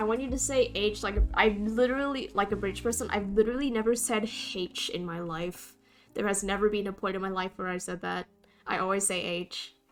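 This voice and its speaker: A woman speaking at a fairly quick pace with music in the background. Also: medium pitch for a woman, ordinary pitch variation. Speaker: streamer and digital artist. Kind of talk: casual live-stream chat while drawing. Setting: live stream. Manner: animated.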